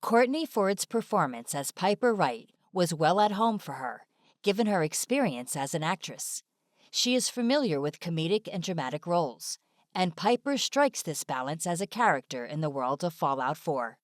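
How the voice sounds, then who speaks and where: A woman's voice: fairly low pitch, very animated, moderate pace, no room sound. A woman reading scripted informational narration as a studio-style voice-over. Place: dry studio-like voice-over recording.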